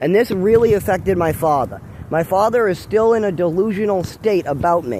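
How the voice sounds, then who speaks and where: Against noticeable background noise, a man with an American accent speaks high for a man. His tone is animated, his intonation lively and his pace fairly quick. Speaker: vlogger. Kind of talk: personal rant.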